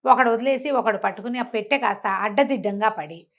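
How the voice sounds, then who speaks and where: A woman's voice: a little high, fairly quick. A woman storyteller narrating a folk tale conversationally, repeating phrases and acting out dialogue. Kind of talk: animated oral folk storytelling.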